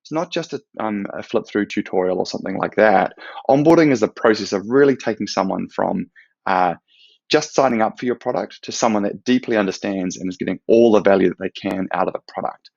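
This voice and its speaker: Man, thirties, New Zealand accent, low pitch, gravelly, measured explainer, dry close webcam mic, lo-fi. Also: darkish tone, dry recording. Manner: measured, explanatory, with some fillers. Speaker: product manager giving a talk. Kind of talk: recorded conference presentation. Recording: dull, slightly lo-fi sound.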